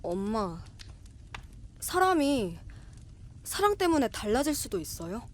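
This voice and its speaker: A woman's voice: on the high side, sing-song, a little slow, slight background noise. A woman acting an anxious, wistful young woman afraid of loss in an audio drama. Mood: vulnerable, afraid.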